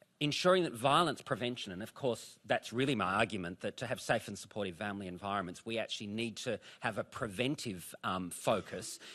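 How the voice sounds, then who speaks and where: Hardly pausing, a man with an Australian accent speaks at a fairly quick pace over a quiet background. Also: medium pitch for a man, lively intonation. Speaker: family studies researcher. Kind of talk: conference presentation.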